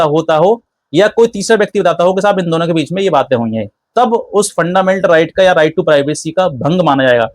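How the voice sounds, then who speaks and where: A man's voice: sits high, no echo. A man hosting an informal legal explainer, going step by step, often rephrasing himself and dropping in English legal terms. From India. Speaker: legal advice channel host.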